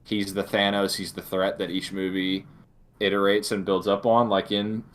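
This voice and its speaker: A male podcast co-host with a fairly deep-pitched voice talks casually through the news. He speaks in a halting way, as if working out his thoughts aloud. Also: flat delivery. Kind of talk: casual discussion of film news.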